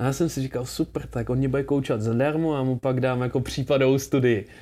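Recorded very cleanly against a silent background, a man with a fairly high pitch talks at a fairly quick pace in a plain, everyday voice. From Zlín, Moravia. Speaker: entrepreneur. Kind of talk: casual interview.

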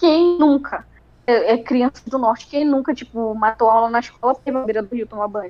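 At a fairly quick pace, a woman speaks in a high pitch with ordinary pitch variation. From northern Brazil. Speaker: podcast co-host. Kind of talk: casual chat.

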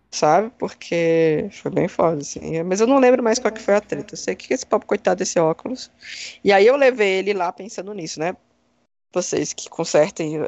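Her medium-pitched voice carries lively intonation as this woman's loudness swings widely. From Brasília. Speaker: tabletop RPG group host. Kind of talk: casual chat. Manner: fast, nonstop talker.

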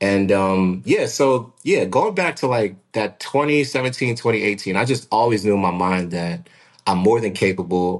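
A man with an American accent speaks in a normal speaking voice, fairly low in pitch, at a fairly slow pace with hardly any pauses. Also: ordinary pitch variation. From Baltimore, Maryland, US. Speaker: drone photographer and entrepreneur. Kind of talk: casual interview. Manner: casual.

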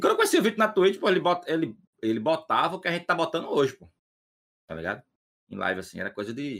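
Talking at a very fast pace yet with long, frequent pauses, a man's loudness swings widely. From Northeast Brazil, Alagoas (Arapiraca). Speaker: streamer. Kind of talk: casual chat.

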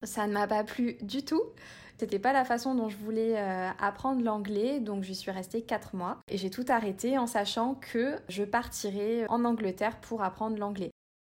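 In a very clean recording with a silent background, a woman with an ordinary speaking voice talks at a fairly slow pace, her fairly high pitch held in fairly even intonation. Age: 20s. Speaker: naturopath, former flight attendant. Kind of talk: interview testimony.

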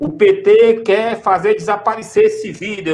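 Noticeable background noise is present throughout. Through it, a man talks. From Northeast Brazil. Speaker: live stream guest. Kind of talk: casual chat. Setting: hotel room on video call.

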